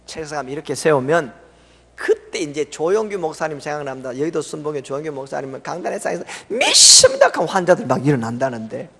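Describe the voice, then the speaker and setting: A middle-aged man preaching a revival sermon. He tells the story with laughter and swings from loud exclamations to hushed tones. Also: on the high side, fast talker, vocal fry, slightly rough. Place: church sanctuary. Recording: reverberant church sanctuary.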